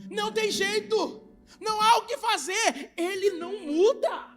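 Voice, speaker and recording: A Brazilian man preaching an impassioned sermon in a very high voice. He shifts from shouting to quiet, pleading appeals. Soft instrumental music plays faintly underneath. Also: unhurried. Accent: Brazilian Portuguese. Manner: swings between shouting and hushed, intimate pleading. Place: large retreat hall with a congregation.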